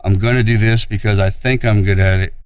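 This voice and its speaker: A man's voice: lowish voice, steady tone, fairly quick, a little mellow, clean tone, no echo, clean studio sound. A man chatting casually as a podcast co-host in a laid-back, folksy, salty-tongued way. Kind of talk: casual chat.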